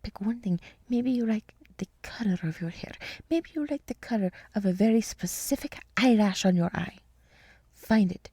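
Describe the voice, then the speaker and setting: In an ASMR roleplay, a woman voices a gentle, earnest deer woman, speaking mostly in a soft, breathy whisper. Her mid-range voice moves at normal speed, and her manner is encouraging and rambling. There is no room sound.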